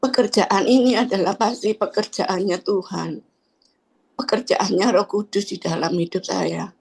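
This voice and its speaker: Woman sharing her church testimony, slow and halting, kinda husky, keeps trailing off with fillers. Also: mid-range voice, fairly even intonation, a little mellow, rough recording. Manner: hesitant, trailing phrases with frequent tag fillers. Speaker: church member giving testimony. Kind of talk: personal faith testimony.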